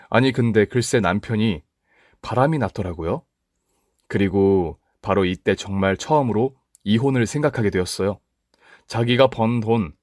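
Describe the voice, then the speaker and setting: A man narrating a first-person radio story in a steady, scripted storytelling manner. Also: fairly low pitch, no room sound, clean studio sound.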